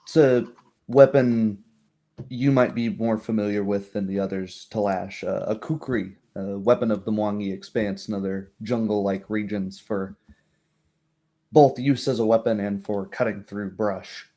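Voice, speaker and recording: A man's voice: fairly low pitch, steady tone, a little slow, mellow. A man narrating a tabletop roleplaying game as the game master.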